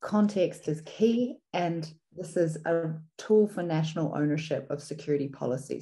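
A woman with a New Zealand accent giving an explanatory seminar presentation in a measured, didactic manner. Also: low voice, mellow. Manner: measured, didactic, poses rhetorical questions.

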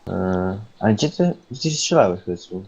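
A man's voice: low voice, animated, moderate pace, creaky, a little mellow, husky, dull audio. A man on voice chat during a shooter game, casually asking his teammate short practical questions.

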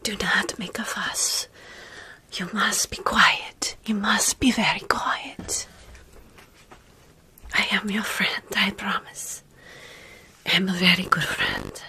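A woman in her thirties whispering slowly and soothingly in an ASMR roleplay, playing a caring, centuries-old vampire close to the microphone. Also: mid-range voice, fairly even intonation, breathy edge. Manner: soothing, hushing, slow and deliberate.

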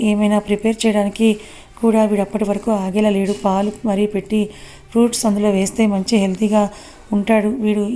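A woman's voice: mid-range voice, mellow, close to an everyday voice. A woman voicing a worried young man who scolds and pleads with his friend.

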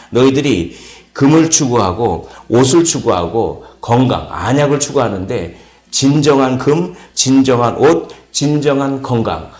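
A man preaching an early morning sermon as pastor, explaining step by step, repeating key words and pausing with fillers. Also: mid-range voice, darkish tone, roomy sound. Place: church sanctuary.

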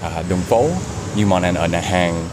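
A young American man, a native English speaker, giving casual interview answers in broken, halting Vietnamese, searching for words with a foreign accent. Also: low-pitched, steady tone. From United States. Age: young adult. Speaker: YouTuber being interviewed. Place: open-air restaurant or cafe. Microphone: handheld small mic with windscreen, shared. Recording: noisy outdoor ambience, traffic and hum.

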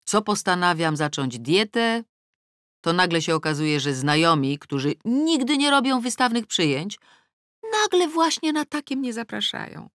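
A middle-aged woman reading a first-person novel aloud, wry and ironic, with sudden rises in pitch on the punchlines. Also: sing-song, normal speed, a bit bright, no echo, clean studio sound. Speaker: audiobook narrator. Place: dry recording booth. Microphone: close studio mic.

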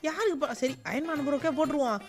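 A woman narrating a comic game role-play in an animated, exclaiming way. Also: sits high, fast talker, faint music behind. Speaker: gaming channel narrator.

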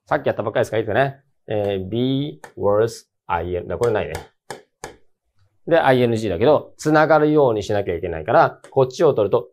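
A male teacher explains English grammar to exam students in a relaxed, slangy way. His pitch jumps around a lot as he stresses key points, and his voice sits at an ordinary middle height. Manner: lively, colloquial, emphatic. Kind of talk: casual exam-prep lecture.

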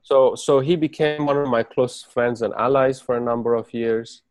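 Raised in the Emirates but Persian, with Farsi as his native tongue, a man speaks haltingly as a video-call interview guest, restarting again and again. His mid-range voice is a little mellow with fairly even intonation, and there's no echo.

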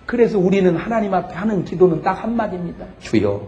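A middle-aged man preaching a humorous revival sermon to a congregation, lively and joking, swinging from loud shouts to soft asides. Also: sits high, fast, muffled recording, crowd noise. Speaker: pastor. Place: church sanctuary before a congregation.

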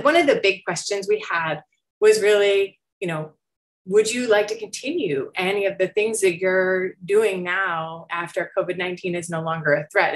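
Low-pitched woman presenting research, conversational. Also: fairly bright tone. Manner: conversational, explanatory, with frequent hedging and rising check-ins. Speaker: academic researcher presenting survey results. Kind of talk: informal slide presentation. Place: indoor room, on a video call.

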